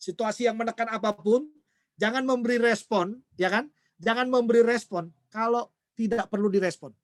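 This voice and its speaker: High-voiced man preaching a sermon. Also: moderate pace, no echo, clean studio sound. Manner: asks the congregation questions and answers them himself; acts out everyday quarrels in quoted voices.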